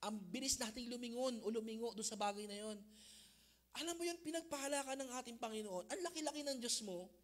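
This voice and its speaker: A male pastor preaching a sermon, swinging between loud emphasis and hushed intensity, often checking that listeners follow. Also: extremely high pitch, fast talker. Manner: mixes Tagalog and English phrases.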